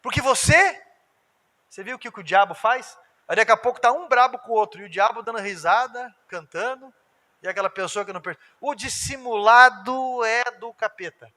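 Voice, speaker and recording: High-voiced Brazilian pastor in a reverberant hall. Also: male voice, normal speed. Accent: Brazilian Portuguese. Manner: animated, jokey preacher who acts out everyday dialogue. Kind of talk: lively sermon. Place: church hall.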